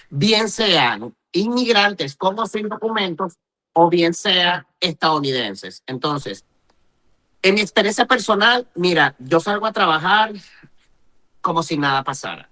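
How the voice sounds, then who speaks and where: Male journalist, interview guest; bright, pressing delivery, asks himself rhetorical questions. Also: a little high. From Venezuela. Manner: emphatic, rhetorical questions, tag questions like "¿vale?". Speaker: journalist and human rights activist, interview guest. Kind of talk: impassioned interview answer.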